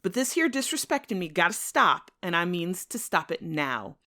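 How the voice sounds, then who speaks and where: A woman voicing a cold, threatening man in a novel reading, lecturing in stern, forceful lines. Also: on the low side, sing-song, moderate pace. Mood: menacing.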